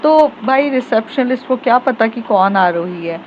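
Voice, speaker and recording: A woman's voice: a little high, lively intonation, normal speed, dull audio, a little hiss or hum. Chatty woman retelling a love story. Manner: chatty, many fillers and restarts. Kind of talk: casual spoken storytelling podcast.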